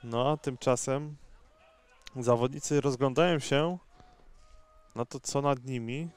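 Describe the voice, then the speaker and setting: Male tennis commentator: smooth, clean tone, unhurried and conversational, pausing as he calls the match. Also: medium pitch, fairly even intonation.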